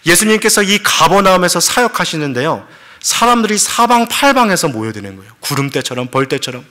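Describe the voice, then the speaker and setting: A man's voice: on the high side, pushed and bright. A man preaching a sermon as pastor, telling the story with questions to the congregation and English words mixed in. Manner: mixes English words into Korean.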